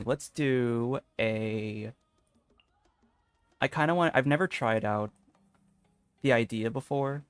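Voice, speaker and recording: A man's voice: mid-range voice, no echo. A man live streaming a video game, chatting casually and rambling as he thinks aloud. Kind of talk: casual gaming stream chat.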